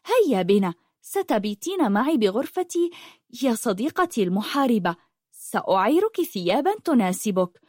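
A woman voicing a dreamy sixteen-year-old girl who speaks of the sea in a soft, poetic way. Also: a little high, lively intonation, normal speed, no echo, studio quality, pitched above the performer's own voice.

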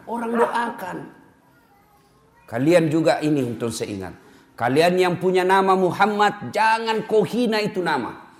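A middle-aged man preaching a humorous sermon, joking and speaking straight to his congregation. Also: fairly high pitch. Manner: animated, joking, addresses listeners directly.

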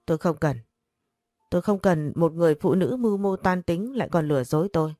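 A woman's voice: on the low side, brisk, warm tone, no echo, clean studio sound, soft background music, natural voice. A woman narrator voicing a stern older man, the betrayed head of the household, who speaks in a harsh, accusing way. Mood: bitter. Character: stern aging male patriarch, betrayed and cold.

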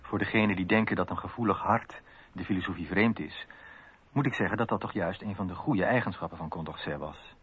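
Deep, husky solemn witness. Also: male voice, fairly bright tone. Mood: solemn, mournful. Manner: solemn, deliberate. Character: grieving male friend of a philosopher, giving testimony. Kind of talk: formal testimony in radio drama. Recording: thin phone-like radio sound.

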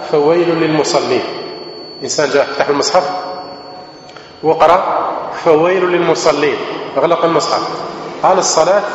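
Man teaching in a booming hall. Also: slight background noise. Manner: repetitive, asks rhetorical questions and answers them. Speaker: religious teacher. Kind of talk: religious lesson to students. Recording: echoey hall, muffled lo-fi sound.

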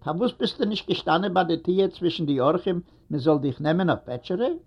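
A man's voice: high-pitched, expressive, fairly quick, husky, exaggerated voice. A man voicing a stern older synagogue caretaker who asks curt questions. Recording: dull lo-fi recording.

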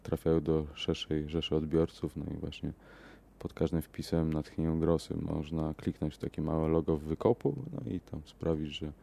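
Deep gravelly male horror narrator. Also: steady tone, mellow. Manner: measured, hesitant in the outro with fillers. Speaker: podcast host and reader.

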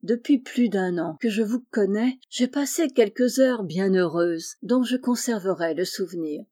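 A woman reading aloud, voicing a kind and wealthy male painter who speaks gently and reassuringly, like a father. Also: medium pitch, a little slow, natural voice. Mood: tender.

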